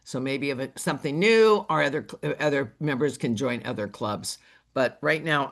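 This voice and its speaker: A man in charge of a district talks through a difficult decision on a recorded call. He speaks in a measured, halting way and fills pauses with ums and uhs. His voice sits at an everyday middle pitch. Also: fairly bright tone. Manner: measured, hesitant, many fillers. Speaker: district leader.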